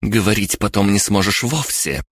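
A man's voice: on the low side, lively intonation, normal speed, fairly bright tone, slight background noise, pitched above the performer's own voice. A man voicing a blunt, bossy young woman adventurer who snaps and threatens. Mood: scornful. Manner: harsh, snapping, threatening.

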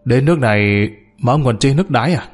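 Bitter underling turned accuser, read by a man; mid-pitched, scornful. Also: expressive, normal speed, a little mellow, soft background music, close to an everyday voice. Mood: furious. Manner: mocking, accusing, wailing. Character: bitter downtrodden male underling, scornful, sobbing.

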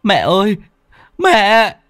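A man's voice: high-pitched, wildly swooping pitch, unhurried, dark tone, no echo, studio quality, voice pushed up, heavily acted. A man voicing a grieving young man who calls out tearfully, pleading with his dead mother. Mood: anguished shouting.

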